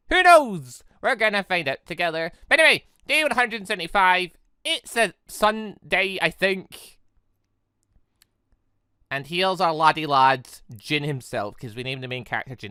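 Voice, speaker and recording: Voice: mid-range voice, sharp tone, no room sound, clean studio sound. A gaming video host giving casual, rambling commentary, chatty and digressive, often doubling back to correct what was just said.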